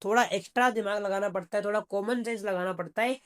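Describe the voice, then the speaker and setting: A man's voice: high-pitched, quick pace, fairly bright tone. A man teaching reasoning for an exam in a chatty way, asking questions and answering them himself. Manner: chatty, calls students "bhaiya", asks and answers his own questions. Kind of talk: exam-prep video lesson.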